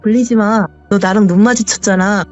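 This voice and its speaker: A woman's voice: mid-range voice, fairly even intonation, fairly quick, natural voice. A woman voicing a faceless black shadow spirit that mocks and taunts with teasing questions, on a dull recording with faint music behind. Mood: taunting. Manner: mocking, answers with teasing questions, giggles.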